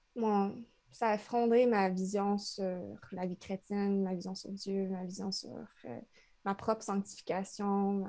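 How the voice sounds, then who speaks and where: A dark, mellow tone at a very slow pace. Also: woman, medium pitch for a woman, fairly even intonation. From Quebec, Trois-Rivières. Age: 20s. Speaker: biblical counseling student. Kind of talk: testimony; casual chat.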